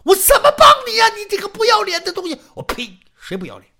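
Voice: sing-song, takes it slowly, pushed and bright, full character voice. A storyteller voicing an old mother-in-law who is shocked by her husband and weeps over her son. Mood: shocked, shrill. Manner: shrill when shocked, tearful and low when sad.

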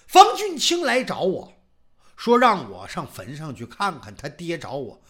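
Storyteller voicing an accused merchant; stammering, pleading, high and animated. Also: male voice, unhurried, heavily acted. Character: flustered wealthy young male merchant pleading innocence.

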